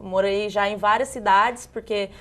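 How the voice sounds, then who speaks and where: A young woman from Brazil with a northern Paraná accent, a handball player answering interview questions in a soft, chatty way. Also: mid-range voice, fairly even intonation, normal speed. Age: young adult. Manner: soft-spoken, chatty, laughs easily. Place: TV studio.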